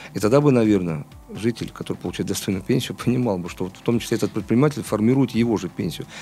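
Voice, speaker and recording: A man speaks at a very fast pace with ordinary pitch variation, music playing in the background. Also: fairly low pitch for a man. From Baku, Azerbaijan. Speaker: city government official. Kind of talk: interview. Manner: hesitant, with fillers.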